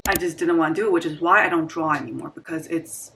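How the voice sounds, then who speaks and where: Young woman in her twenties, quick earnest vlog delivery, slightly low voice; reflective, repeats herself for weight. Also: gravelly, loud music behind the voice, poor audio. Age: 20s. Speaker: vlogger.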